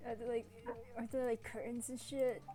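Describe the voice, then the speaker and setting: A woman playing a tabletop game, asking offhand questions quietly. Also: a little high, flat delivery, normal speed, soft background music. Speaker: player. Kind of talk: casual chat.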